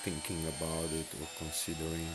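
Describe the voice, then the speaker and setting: A man's voice: very deep voice, monotone, a little fast, very noisy. A man giving casual, rambling commentary while playing a racing game, full of fillers and restarts. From Bosnia and Herzegovina. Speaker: mobile racing game streamer.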